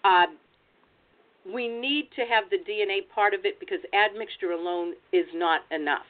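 A woman's voice: medium pitch, moderate pace. An American woman presenting as a genealogy researcher, giving practical advice in an explanatory webinar talk over a video call. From United States. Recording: tinny phone-like online call audio.

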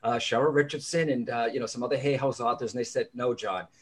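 This Boston-accented man talks fast at a medium pitch. He's a psychic medium and author appearing as an interview guest, and he spins chatty, animated stories, often restarting and wandering into asides.

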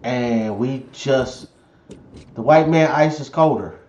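A man's voice: medium pitch, slow pace, darkish tone, dull audio, a little hiss or hum. Joking, laid-back man in an echoey room. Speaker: podcast host. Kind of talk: casual interview chat.

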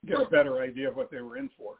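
An older man, a guest author on a radio interview, talking in a halting, easygoing way with frequent restarts. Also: mid-range voice, very animated, gravelly, slightly rough. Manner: halting, repeats himself, easygoing humor. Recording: tinny phone-line audio.

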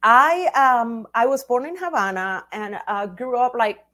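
Cuban-born woman, measured interview guest. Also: fairly high pitch, pushed and bright. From Cuba. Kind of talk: casual interview chat.

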